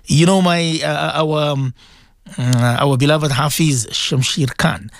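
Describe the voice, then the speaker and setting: A man's voice: on the high side, slow, gravelly, dry recording. A middle-aged man hosting a religious radio show, talking to listeners in an emotional, pleading way and often repeating himself.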